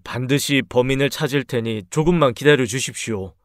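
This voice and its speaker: A man's voice: medium pitch, brisk, no room sound, studio quality, lightly acted. A man voicing a formal police officer who reassures a family.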